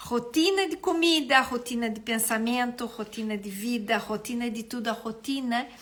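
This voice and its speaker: Bright, sharp tone from a woman, pitched high. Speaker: nutritionist. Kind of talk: live stream talk. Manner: animated.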